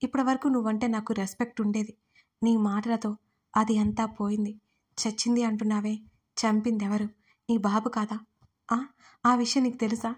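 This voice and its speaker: A woman voicing an angry, grieving young man in an audio story, harsh and shouting. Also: on the high side, level tone, moderate pace, long pauses, breathy edge.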